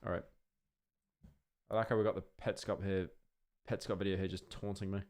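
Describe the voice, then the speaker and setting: A man's voice: deep voice, flat delivery, fast talker, darkish tone. A man streaming live, chatting casually and rambling as he reacts to videos and talks to his chat. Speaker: livestreamer. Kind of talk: casual livestream reaction commentary.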